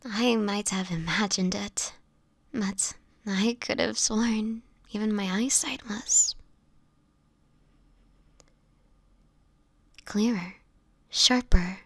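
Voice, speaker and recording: A woman playing a sickly, gentle homeless woman turning vampire in an intimate audio roleplay, with a whispery, hesitant delivery. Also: medium pitch, fairly even intonation, dry recording, heavily acted. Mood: guilty, confessional. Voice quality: breathy, whispery. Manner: halting, hesitant, fragile delivery.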